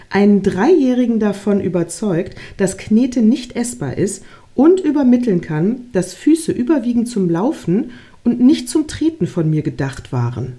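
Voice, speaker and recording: A woman reading aloud, voicing a patient, proud old male creator god in a storybook tale in a calm tone. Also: mid-range voice, lightly acted.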